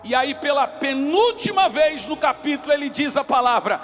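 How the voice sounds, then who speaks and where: A man's voice: very high voice, animated, normal speed, fairly bright tone, soft background music. A Brazilian man preaching an impassioned sermon as a pastor, emphatic and declamatory, often raising his voice and repeating phrases.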